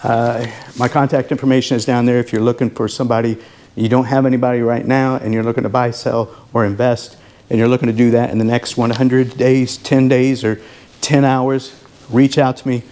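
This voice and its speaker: A man presenting a home tour as a real estate advisor, talking informally and directly to viewers with a sales pitch. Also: flat delivery, brisk, darkish tone. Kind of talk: casual home tour vlog, sales talk. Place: inside a model home.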